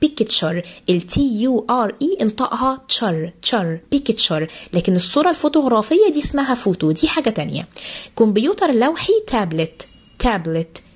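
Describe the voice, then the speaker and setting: A woman with an Egyptian Arabic accent, an English teacher who explains words to pupils and repeats each one slowly, spelling out how the sounds are said. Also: on the high side, big pitch swings, darkish tone. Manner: addresses pupils as "kids". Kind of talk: vocabulary lesson for pupils.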